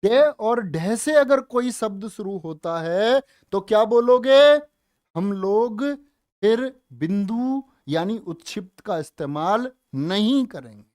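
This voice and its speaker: A man's voice: sits high, expressive, slow, darkish tone, dry recording, clean studio sound. A man teaching a grammar class online, coaxing and repeating questions to his students. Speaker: Hindi teacher.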